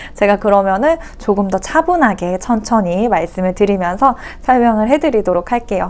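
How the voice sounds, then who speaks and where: This woman's voice has a medium pitch and lively intonation. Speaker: horse racing tipster. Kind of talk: race preview commentary. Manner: fast.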